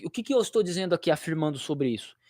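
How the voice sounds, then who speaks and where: A man's voice: a little high, animated, very fast, a little mellow, no echo, clean studio sound. A young Brazilian man who teaches theology, chatting casually on his livestream in a rambling, slangy way and laughing easily.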